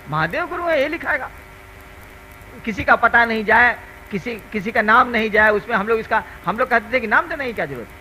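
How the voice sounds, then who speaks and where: An older man gives a spiritual discourse, his voice high and bright. He talks in an earnest, storytelling way, stressing his points. A faint electrical hum sits under the recording. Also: low-quality recording. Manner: conversational storytelling, earnest and emphatic. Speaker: spiritual teacher.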